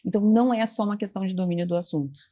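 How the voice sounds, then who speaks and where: A woman's voice: medium pitch, rapid-fire, mellow. A woman, a communication trainer who explains and gives advice in an assured, instructive way. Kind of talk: expert explaining on a talk show.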